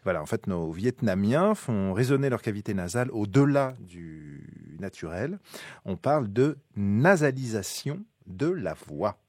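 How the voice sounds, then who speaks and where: Un médecin pédant et suffisant. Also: male voice, on the low side, lively intonation, a little slow, a little mellow, slightly rough, no echo, clean studio sound. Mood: smug lecturing. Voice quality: lecturing, self-satisfied. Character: pompous know-it-all male radio doctor. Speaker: doctor co-host of a call-in show. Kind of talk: scripted comedy sketch.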